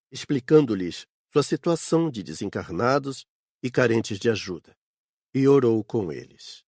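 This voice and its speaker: Man acting steadfast spirit worker, very lively intonation, assured storytelling, dry audiobook sound. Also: mid-range voice, no room sound. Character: adult male spirit worker defending the book fair, steadfast. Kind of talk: scripted audiobook dialogue.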